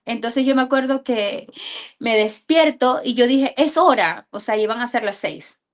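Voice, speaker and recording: A mother telling a personal faith testimony in a halting way, often repeating words and restarting phrases. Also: fairly high pitch, steady tone.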